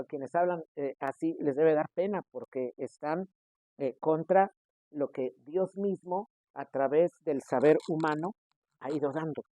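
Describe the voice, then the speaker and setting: A man's voice: on the high side, warm tone, dry recording. A male pastor, preaching a sermon in a conversational way, with frequent hesitations and mock rhetorical questions. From Mexico.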